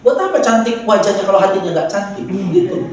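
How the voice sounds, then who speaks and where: A man's voice: sits high, sing-song, quick pace, a little mellow, slight background noise. A man with a Medan accent preaching a sermon to a church, joking with the congregation. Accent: Medan Indonesian. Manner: joking, playful preaching with audience asides. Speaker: pastor. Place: large church hall. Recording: very echoey hall, mic far off.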